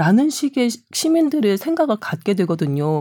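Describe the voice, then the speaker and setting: A woman's dark, mellow tone with very wide pitch swings, in a very clean recording with a silent background. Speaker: radio announcer and podcast host. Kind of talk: casual chat. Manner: less forceful than usual.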